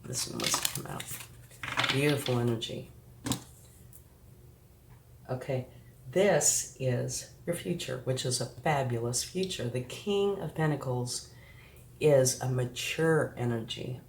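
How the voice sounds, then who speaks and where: Slow, gravelly woman reading tarot. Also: very deep voice, very animated. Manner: reassuring, addresses the viewer directly, frequent "okay" and "right". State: sniffly from a recent flu. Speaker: tarot reader. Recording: echoey room with faint background noise.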